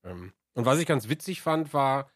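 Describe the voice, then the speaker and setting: A man's voice: medium pitch, lively intonation, moderate pace, no room sound, clean studio sound. A man co-hosting a podcast, a streamer chatting casually and laughing easily. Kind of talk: casual chat.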